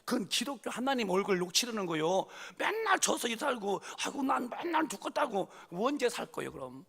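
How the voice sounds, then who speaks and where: A middle-aged man preaching a sermon as pastor, fervent and animated, acting out scenes with loud raised voices. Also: very high-pitched, fairly quick, gravelly, breathy edge. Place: church sanctuary. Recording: long church reverb.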